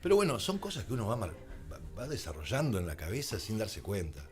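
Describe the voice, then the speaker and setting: A man's voice: lowish voice, wildly swooping pitch, fast talker, a little mellow. An Argentine man telling stories conversationally as a radio interview guest, slipping into reported dialogue as he goes. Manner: anecdotal, acts out reported dialogue. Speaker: guest, radio drama creator.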